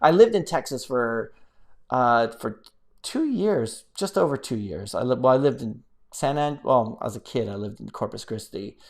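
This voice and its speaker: A man hosting a casual live stream, chatting in a rambling, playful, animated way as he reads out and answers viewer comments. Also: medium pitch, moderate pace, creaky. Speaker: live-stream host, app developer.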